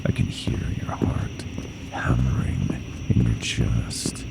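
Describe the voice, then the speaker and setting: A man voicing a sadistic, playful monster hunting humans in a horror ASMR roleplay, taunting and savoring in a gravelly, breathy, often whispered voice. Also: a bass voice, fairly even intonation, full character voice, low-quality recording. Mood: taunting, gleeful. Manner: slow, taunting, menacing, savoring.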